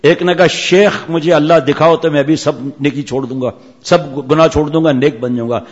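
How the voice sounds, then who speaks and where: A man's voice: on the high side, steady tone. Man preaching in an echoing hall. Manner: storytelling, jokey asides to listeners. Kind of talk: Islamic sermon with anecdotes. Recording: muffled audio in a reverberant hall.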